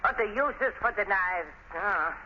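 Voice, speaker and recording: An actress playing a frightened foreign widow and stage knife thrower in 1930s radio style, with accented, halting, dramatic broken English. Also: female voice, medium pitch, lively intonation, close to an everyday voice. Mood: intense, bitter. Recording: noisy, dull 1930s radio recording.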